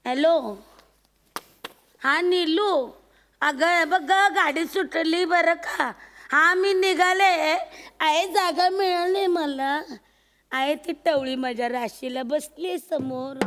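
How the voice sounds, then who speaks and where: A busybody old woman scolds and gossips in a high, unhurried voice. She chatters on like a meddling granny on a train. Music plays clearly behind on the stage. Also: fairly bright tone, in a large hall. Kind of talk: comedy sketch acting.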